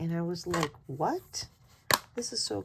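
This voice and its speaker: Mumbling in a somewhat breathy, dark and mellow tone, a woman uses lively intonation, captured in a very clean recording with a silent background. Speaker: crafting YouTuber. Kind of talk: casual book and thrift flip-through. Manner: mumbling and rambling.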